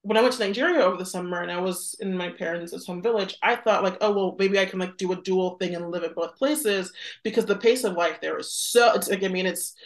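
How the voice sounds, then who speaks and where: A woman's voice: fairly low pitch, a little fast. Woman, twenties, American accent, podcast guest, conversational, reflective, peppered with "like". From United States. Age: 20s. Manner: reflective, frequent "like" as filler. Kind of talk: casual conversational interview.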